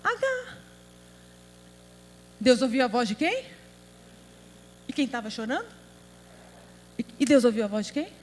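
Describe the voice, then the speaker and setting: High-voiced woman pastor preaching in a hall. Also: sing-song, unhurried, long pauses, a little mellow. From Brazil. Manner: emphatic, rhetorical questions to the audience. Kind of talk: sermon. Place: large convention hall. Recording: hall reverb with mains hum.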